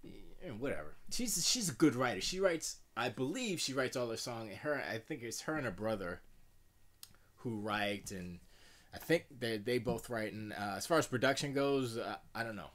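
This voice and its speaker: Deep-voiced guy rambling on a live stream from his studio, lots of restarts and asides. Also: very animated, moderate pace, a bit bright. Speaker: music producer streaming live. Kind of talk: casual live-stream chat. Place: home music studio.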